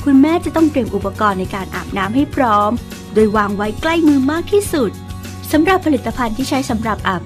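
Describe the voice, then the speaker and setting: Music plays in the background as a woman speaks. Her tone is relaxed and her intonation lively. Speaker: voice-over announcer. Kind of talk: instructional product narration. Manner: relaxed, happy, loving, like a mother chatting with a friend.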